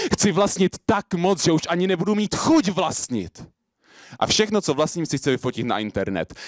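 Against a quiet background, a man with a high pitch talks at a moderate pace with lively intonation, and the sound is dry with no echo. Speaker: slam poet. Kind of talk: slam poetry performance. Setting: live stage with audience. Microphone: handheld.

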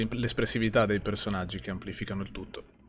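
Faint music plays in the background behind a man speaking at a fairly low pitch. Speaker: gaming streamer. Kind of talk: casual chat. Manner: animated. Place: home room. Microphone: new wireless headset.

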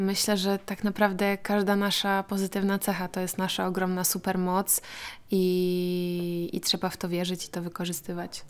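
Delivery holds a moderate speed with monotone, flat intonation. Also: woman, medium pitch for a woman. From Poland, Ostrołęka; Poland. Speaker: actress. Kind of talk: interview. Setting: studio. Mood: warm, reflective. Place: studio. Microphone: handheld.

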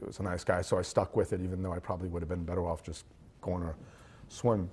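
This man's voice has a dark, mellow tone. He speaks with an American accent. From New Jersey. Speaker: guest. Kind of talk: interview. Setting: studio. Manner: halting. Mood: reflective, personal storytelling. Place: studio. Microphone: lapel.

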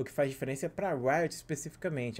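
A man talks with a Brazilian accent. His pace is fairly quick. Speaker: gaming YouTuber. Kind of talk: casual vlog commentary. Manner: animated. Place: home room.

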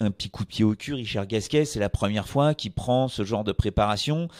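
In a very clean recording with a silent background and a dry, close sound with no echo, a man with a fairly low pitch talks at a moderate pace with ordinary pitch variation. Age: 50s. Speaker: tennis journalist. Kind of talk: casual chat. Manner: animated.

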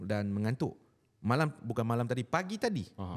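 The setting around him is quiet. This man talks at a moderate speed. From Malaysia, Johor; Malaysia. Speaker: state politician. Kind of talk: interview. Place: studio. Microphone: studio mic.

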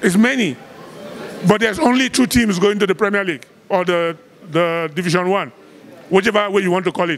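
Pitch moves in an ordinary way. The speaking pace stays moderate. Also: man. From Nigeria. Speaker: club business partner. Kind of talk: speech at awards ceremony. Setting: stage with audience. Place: hall. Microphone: handheld.

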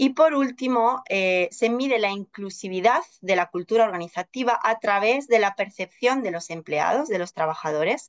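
A woman talks at a moderate pace with hardly any pauses, using lively intonation and a fairly high pitch in a normal speaking voice against a quiet background. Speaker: customer experience manager at certification firm; presenter. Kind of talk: online workshop presentation. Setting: video call. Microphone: video call.

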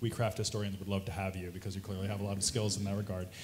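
A man of fairly low pitch speaks over light background noise. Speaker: craft historian; panel moderator. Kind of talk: panel discussion. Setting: stage with audience. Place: hall. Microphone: handheld.

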